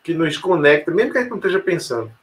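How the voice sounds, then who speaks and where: A man's voice: a little high, big pitch swings, racing. A man telling a personal story in an interview, hesitant, with many fillers and restarts. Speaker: interview guest. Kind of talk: casual storytelling conversation.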